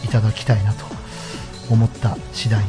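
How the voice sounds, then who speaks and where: A man's voice: on the low side, completely flat delivery, moderate pace. A man hosting a solo show, talking casually and politely to his listeners. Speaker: host of a solo radio-style show. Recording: background music under the voice.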